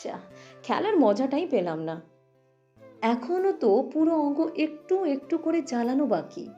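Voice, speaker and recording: A cruel, mocking young female captor, put on by a woman narrator, her high voice swooping from one taunt to the next. The tone is dark and mellow, and there is music under a muffled recording. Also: sing-song, a little slow. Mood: contemptuous. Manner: cold, mocking, taunting with sudden sharp jumps. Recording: muffled audio with background music.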